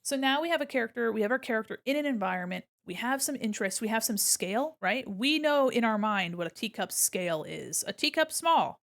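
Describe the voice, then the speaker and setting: A woman hosting a casual art livestream, explaining as she works and speaking in a gentle, encouraging way. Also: a little high, lively intonation, a little fast, vocal fry, hardly any pauses. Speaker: art streamer and critique host. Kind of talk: casual livestream commentary while drawing, reading chat aloud.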